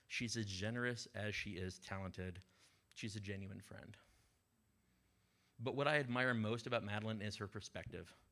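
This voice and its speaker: A man with a fairly low pitch speaks at a moderate pace, leaving long, frequent pauses. His tone is bright and sharp, his intonation fairly even. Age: 40s. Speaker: storyteller. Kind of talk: reading aloud. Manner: halting.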